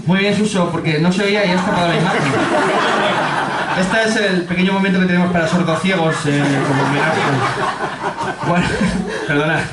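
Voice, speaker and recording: A man with a Spanish accent giving a humorous talk in a pub, laughing often and acting out quotes in a high voice. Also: roomy sound, very noisy. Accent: Spanish from Spain. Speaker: speaker giving a public talk. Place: pub with an audience.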